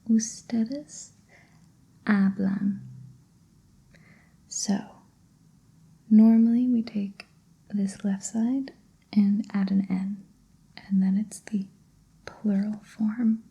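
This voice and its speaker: A woman whispering a Spanish grammar lesson, slow and patient, in a breathy ASMR style. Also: fairly high pitch, dark tone. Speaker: Spanish tutor.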